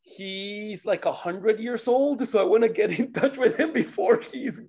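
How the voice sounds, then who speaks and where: A man with a fairly high voice. He talks casually like someone telling friends a story, informal and loose-tongued, pausing now and then to search for words. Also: a little mellow, slightly rough. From Costa Rica. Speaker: participant in an online table read gathering. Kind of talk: casual chat, animated storytelling.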